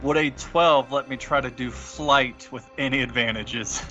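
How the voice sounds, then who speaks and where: A man's voice: medium pitch, fairly even intonation, a little slow, bright, forceful tone, lo-fi sound, soft background music. A man playing in a tabletop roleplay game, chatting casually and speaking for his character. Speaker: player in a tabletop roleplay podcast.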